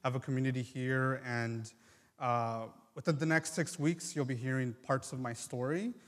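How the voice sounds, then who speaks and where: A man in his twenties from Mexico, speaking earnestly and reflectively to a congregation, pausing often. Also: mid-range voice, steady tone, a bit bright. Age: 20s. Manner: earnest and reflective, many ums and pauses. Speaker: guest speaker, medical student. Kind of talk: personal testimony. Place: church sanctuary. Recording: church hall reverb.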